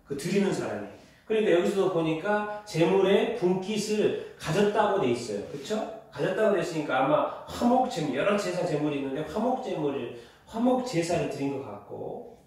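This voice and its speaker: A man leads a Bible study as pastor, with a fairly high voice that keeps turning statements into questions for his listeners. He slows right down when he reads scripture aloud. The sound is distant and washed in the heavy echo of a church sanctuary. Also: animated, a little mellow. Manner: teaching by quizzing the congregation and repeating answers; reads scripture aloud slowly together with the congregation. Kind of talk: Wednesday Bible study sermon. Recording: very echoey hall, mic far off.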